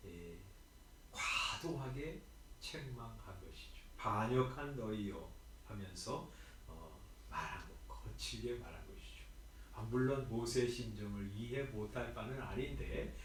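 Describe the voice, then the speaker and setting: Korean pastor preaching in an echoey church. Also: male voice, mid-range voice, slight background noise. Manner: conversational preaching with fillers and rhetorical questions. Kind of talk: early morning sermon. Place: church sanctuary. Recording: very echoey church hall, mic at a distance.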